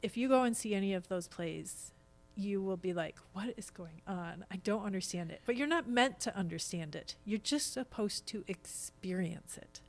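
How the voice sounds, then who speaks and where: Woman, fifties, American, mid-pitched voice, casual and explanatory interviewee on a podcast. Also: lively intonation, normal speed, few pauses. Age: 50s. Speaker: actor, podcast guest.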